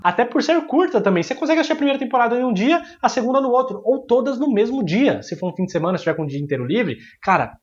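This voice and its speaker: Fast-talking, high-voiced chatty man. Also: muffled recording. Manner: chatty, joking, says "mano" and "cara". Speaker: YouTube host ranking series. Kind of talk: casual video commentary.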